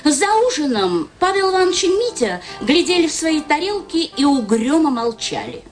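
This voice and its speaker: An actress in a radio play, narrating and voicing a sly, playful wife with an expressive, theatrical manner. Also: female voice, high-pitched, normal speed, faint music behind. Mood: dramatic storytelling.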